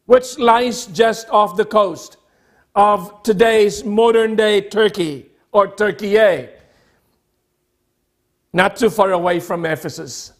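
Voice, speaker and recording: A middle-aged man preaching a sermon as a pastor, speaking deliberately in short, emphatic phrases with repetition. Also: high voice. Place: church sanctuary, at a pulpit.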